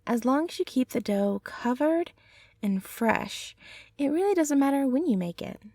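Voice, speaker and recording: A woman playing a gentle, affectionate young centaur girlfriend in an ASMR roleplay, speaking softly and tenderly in an unhurried ramble. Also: sits high, expressive, dry recording. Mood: gentle, chatty.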